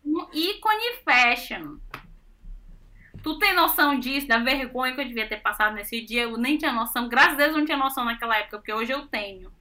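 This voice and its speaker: A young Brazilian woman chatting casually, telling stories with animated, self-mocking exclamations. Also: sits high, brisk. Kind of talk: casual chat.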